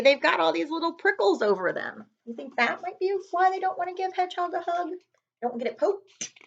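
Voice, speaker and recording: A woman hosts a children's read-aloud in a high, very animated voice. She addresses young listeners directly and adds friendly asides. The recording is slightly dull and lo-fi. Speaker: read-aloud host, librarian.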